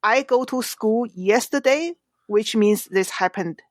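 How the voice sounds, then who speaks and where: A woman's voice: a little high, measured pace, dry recording. A middle-aged woman with a Chinese accent, a non-native English speaker whose first language is Chinese, explaining things earnestly with examples as an author guest on a podcast. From China. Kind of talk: podcast interview.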